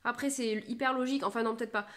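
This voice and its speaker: A woman from France chats away about her knitting projects in a casual, meandering way. Her voice sits slightly higher than most, and she keeps breaking into fillers and teasing herself. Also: fairly even intonation, fast talker, a bit bright. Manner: chatty, rambling, self-mocking with many fillers. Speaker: knitting vlogger. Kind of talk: casual chat to camera.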